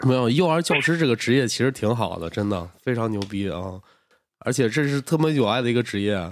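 A man has an ordinary speaking voice at medium pitch. His intonation is lively. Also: fairly quick pace. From Henan. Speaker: podcast co-host. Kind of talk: casual chat.

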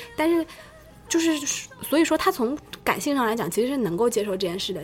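A woman talking at a very fast pace with lively intonation, noticeable background noise behind her. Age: young. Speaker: film podcast co-host. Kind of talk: casual chat.

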